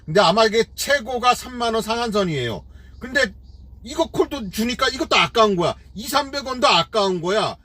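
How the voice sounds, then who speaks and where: A man's voice: very high voice, expressive, a little fast, sharp tone. A middle-aged man, a taxi driver hosting his own channel, delivers an opinionated commentary full of scolding rhetorical questions and fillers.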